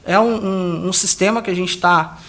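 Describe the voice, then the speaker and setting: A man's voice: high voice, moderate pace, bright, forceful tone. A man with a Brazilian Portuguese accent, a political analyst, explaining polling methods at length with frequent restarts. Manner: explains at length, with many restarts and tag questions. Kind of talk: explanatory interview answers.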